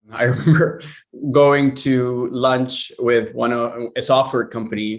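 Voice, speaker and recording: Speaking at a fairly slow pace with a Spanish accent, a man holds a medium pitch in a monotone, flat way. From Argentina. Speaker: panelist in LGBTQ tech event. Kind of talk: panel discussion.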